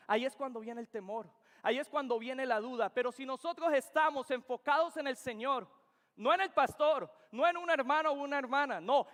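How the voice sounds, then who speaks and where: A man's voice: very high voice, fairly bright tone. A young man from Venezuela, preaching an earnest, emphatic sermon that repeats key phrases. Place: church sanctuary. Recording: reverberant church hall.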